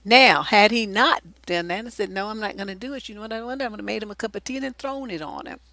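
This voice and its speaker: A woman's voice: medium pitch, fast talker, sharp tone, dry recording. A middle-aged woman hosting a relationship advice livestream, talking bluntly and profanely with theatrical flair. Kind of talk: casual livestream advice chat.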